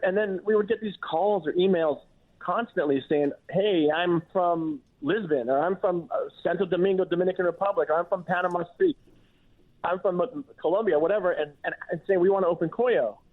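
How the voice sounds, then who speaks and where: A man's voice: high voice, a little fast. A man who is a chef and restaurant owner, talking casually as a radio interview guest, with lots of restarts and "you know"s. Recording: tinny phone-line audio.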